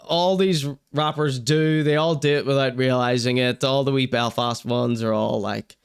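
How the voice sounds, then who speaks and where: With a clear, resonant, medium-pitched voice and fairly even intonation, a young man speaks at a moderate pace. He has a Northern Irish accent and hosts a live stream, responding to chat comments with blunt, wry opinions, casual swearing, and laughter at his own jokes.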